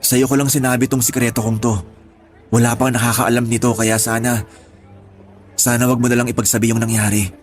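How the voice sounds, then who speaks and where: A man's voice: mid-range voice, little pitch movement, brisk, pauses often, close to an everyday voice. A man acting as an apologetic young gay man confessing secret love in a Tagalog radio drama, earnest and pleading, with a Filipino accent.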